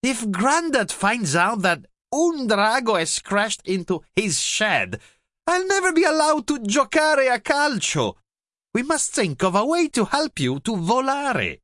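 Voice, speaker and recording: A man voicing an excitable little girl in a storybook, yelping and shrill. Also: measured pace, no room sound, studio quality, exaggerated voice. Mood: alarmed.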